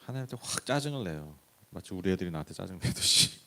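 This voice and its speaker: A male pastor giving a conversational Bible-study sermon, swinging from loud emphatic lines to soft hushed ones, with chuckles and frank asides. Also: low voice, very animated, quick pace. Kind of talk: Wednesday Bible exposition sermon. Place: church.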